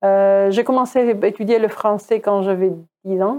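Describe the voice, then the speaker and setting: At a fairly slow pace, a woman speaks in a medium pitch with fairly even intonation. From northern Italy, Turin. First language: Italian (speaking French). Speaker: finance director. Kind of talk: interview. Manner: halting, frequent repetitions.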